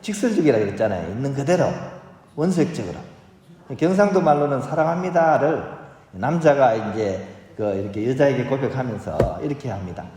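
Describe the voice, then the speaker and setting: A man's voice: mid-range voice, lively intonation, a little fast, dark tone. A man, a Catholic priest, reading the Gospel and then giving a playful homily that coaxes the congregation to join in. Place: large church. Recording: echoey church hall.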